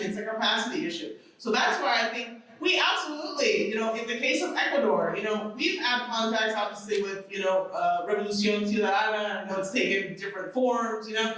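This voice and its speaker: A man speaking as a panelist, talking emphatically and with frequent fillers. His voice is high and bright, and he sounds distant in a big echoing hall. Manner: emphatic, conversational, many "you know" fillers. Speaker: panelist, steering committee member. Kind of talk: panel discussion answer. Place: large echoey meeting hall. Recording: echoey hall from far off.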